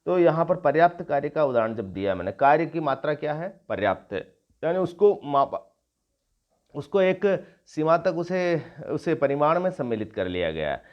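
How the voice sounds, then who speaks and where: A man's voice: on the high side, very animated. Man explaining grammar in a lo-fi lesson. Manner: explains slowly, repeats and lists examples with pauses and fillers. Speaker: Hindi grammar teacher. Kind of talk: classroom lecture. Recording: dull lo-fi recording.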